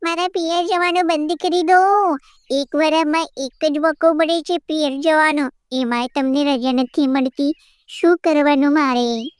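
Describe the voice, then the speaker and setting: A woman voicing a small, nagging crow wife in an animated moral story. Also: sits high, a little slow, no echo. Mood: aggrieved.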